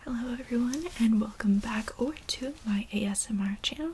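A woman at a moderate pace with ordinary pitch variation, over light background noise. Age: 20s. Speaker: ASMR creator. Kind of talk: ASMR product haul, casual talk to camera. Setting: bedroom filming with tapping and water sounds. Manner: soft-spoken, rambling. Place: home room.

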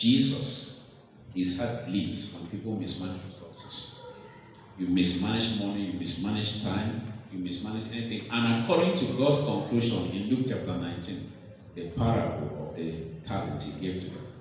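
Strong room echo and light background noise surround a man speaking at a fairly low pitch. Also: lively intonation, moderate pace. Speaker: preacher. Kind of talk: sermon. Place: church.

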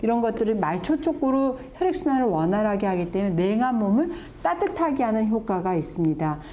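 A woman's fairly high voice swings very widely in pitch. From South Korea. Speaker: Korean medicine doctor. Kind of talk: health explainer video. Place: studio. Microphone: lapel.

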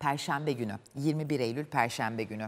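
Here a woman talks at a moderate pace. Her pitch is very deep and low, with lively intonation. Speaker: TV news presenter. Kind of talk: news presentation. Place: studio. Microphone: lapel.

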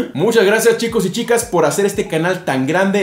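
Spoken with a Mexican accent and ordinary pitch variation, the voice carries audible room echo. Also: man. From Mexico. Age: 20s. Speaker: YouTuber and former police officer; YouTuber. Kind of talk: casual Q&A monologue to camera. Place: home room.

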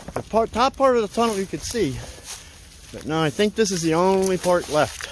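No echo and a dry sound, against a noticeable layer of background noise. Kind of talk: casual vlog commentary. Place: open country. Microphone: phone near.

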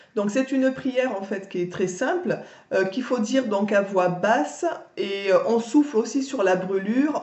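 There is audible room echo as a woman speaks at a moderate pace. Her pitch is fairly high and her intonation is lively. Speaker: wellness and natural-remedies channel host. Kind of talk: casual talk to camera, explaining a prayer. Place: home room. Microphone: webcam.

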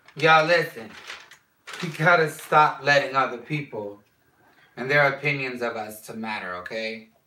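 With long, frequent pauses, a woman speaks at a very deep, low pitch with lively intonation and big swings in loudness, her voice carrying audible room echo. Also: moderate pace. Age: 30s. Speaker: vlogger and minister; vlogger, minister. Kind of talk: casual vlog monologue. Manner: animated.

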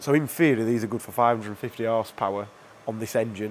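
Light background noise sits behind a man's voice. His intonation stays fairly even. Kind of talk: casual walkthrough of a car build. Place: workshop. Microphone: lapel.

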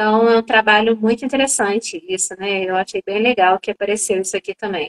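A woman speaks at a fairly quick pace with hardly any pauses. Her intonation is fairly even, and the background is quiet. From Brazil, southern Minas Gerais. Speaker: book reviewer, social media creator. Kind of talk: casual chat. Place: home room. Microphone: earbuds.

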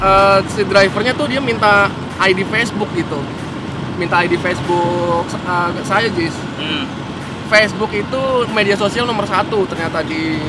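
A man at a fairly slow pace with ordinary pitch variation, dry sound with no echo, over loud background noise. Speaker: sports journalist vlogger. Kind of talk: casual vlog chat. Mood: cheerful, amused. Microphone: phone near.

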